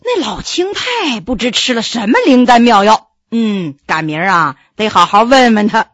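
A woman's voice: on the high side, big pitch swings, normal speed, fairly bright tone, dry recording, studio quality. A woman doing a jovial Qing minister. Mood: teasing, self-assured. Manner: jovial, teasing, self-assured. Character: Fu Heng, male Qing minister, playful and ambitious.

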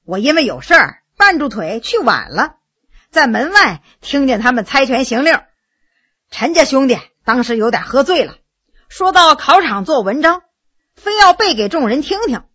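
A woman's voice: high voice, sing-song, moderate pace, bright, forceful tone, breathy edge, dull audio, full character voice. A woman doing a witty male court scholar. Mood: amused. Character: witty middle-aged male court scholar telling jokes.

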